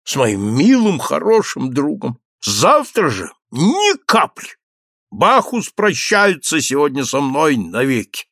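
A man reading aloud and voicing a drunken, tearful, excitable count in a high, wavering, giggling voice, gushing and pleading. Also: slow pace, dry recording, studio quality, exaggerated voice. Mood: tipsy gushing.

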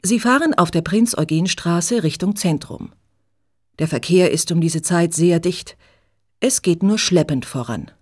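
A woman narrating a chapter of a story in clear, measured scripted reading. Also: on the low side, lively intonation, darkish tone. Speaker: audiobook narrator.

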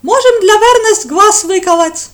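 A woman voicing a mocking young man who mangles his grammar, speaking very high and loud. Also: wildly swooping pitch, unhurried, heavily acted. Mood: jeering. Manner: broken grammar, jeering.

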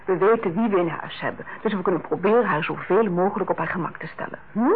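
An actress in a Dutch radio play playing a hospitable, placating mother who hushes and soothes. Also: on the low side, quick pace, natural voice. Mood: soothing. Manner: placating, gently hushing. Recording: tinny, noisy old radio recording.

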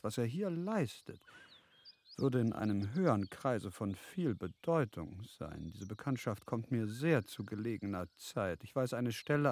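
Low-voiced, worldly aristocratic count. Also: male voice, a little mellow. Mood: approving, self-assured. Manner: urbane, eloquent, formal old-fashioned speech. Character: worldly, self-assured aristocratic count, charming and sensual. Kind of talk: literary radio drama acting.

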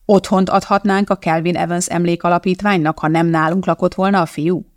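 Felolvasó által megformált gúnyos, ravasz püspök. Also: male voice, high voice, level tone, dry recording, studio quality, close to an everyday voice. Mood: persuasive. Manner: smooth, sarcastic, evasive. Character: sly, sarcastic older male bishop, orphanage head.

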